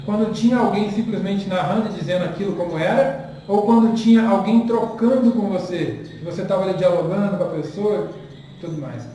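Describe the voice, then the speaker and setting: A man's voice: high-pitched, brisk, dark tone. A man talking as a guest teacher in a casual conversation, earnest and encouraging. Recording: echoey room, distant mic, faint noise.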